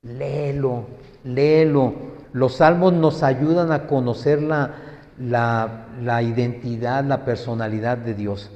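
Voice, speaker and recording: A man preaching a sermon, teaching slowly and emphatically and putting questions to his listeners. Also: mid-range voice, steady tone, a little mellow. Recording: echoey hall, dull lo-fi sound.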